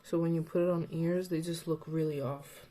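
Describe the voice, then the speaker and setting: A woman's voice: deep voice, fairly even intonation, moderate pace, dark tone. A woman with a slight lisp, chatting casually and rambling with many fillers as she shows jewelry in a vlog. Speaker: jewelry vlogger. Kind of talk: casual chat.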